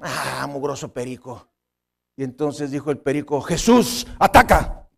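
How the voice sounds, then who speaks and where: A man with a northern Mexican accent preaching a sermon as pastor, emphatic, with sudden rises in pitch and loudness, telling humorous anecdotes. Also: level tone, normal speed, gravelly.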